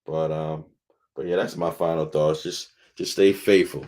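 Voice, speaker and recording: A deep-voiced man co-hosting a sports podcast, talking slowly and easily. He takes his time and stays relaxed throughout. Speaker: podcast co-host. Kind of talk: casual sports chat.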